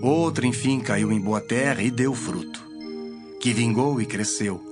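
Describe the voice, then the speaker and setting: Man acting solemn Jesus teaching, over loud music. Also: medium pitch, close to an everyday voice. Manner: solemn, measured, declamatory. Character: Jesus, solemn teacher telling parables to followers. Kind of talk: dramatized audio Bible reading.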